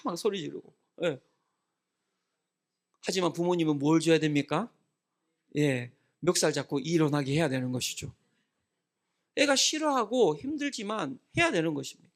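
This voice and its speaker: Middle-aged male pastor, animated delivery, quizzes the congregation and answers himself. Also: on the high side, normal speed, long pauses. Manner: asks the congregation questions and answers them; acts out scolding parents and children. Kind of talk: midweek prayer meeting sermon.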